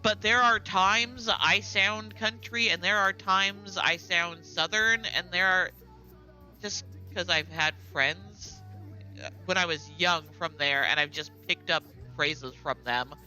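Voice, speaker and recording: A woman's voice: fairly low pitch, slow pace, sharp tone, soft background music, rough recording. A middle-aged woman with a general American accent, chatting casually and rambling with lots of asides while playing a game. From United States. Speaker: gaming streamer.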